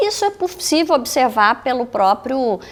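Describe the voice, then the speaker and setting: A woman with lively intonation. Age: 60s. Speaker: state education secretary and teacher. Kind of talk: interview. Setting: office building. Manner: formal, with filler hesitations.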